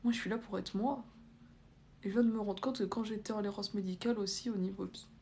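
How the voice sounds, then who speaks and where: A woman's voice: medium pitch, fairly even intonation, fast, warm tone, a little hiss or hum. A young adult woman chatting informally on a livestream, reading out comments and answering them bluntly in hesitant, loose phrasing. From France. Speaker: livestream host. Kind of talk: casual live chat, reading out and answering viewer comments.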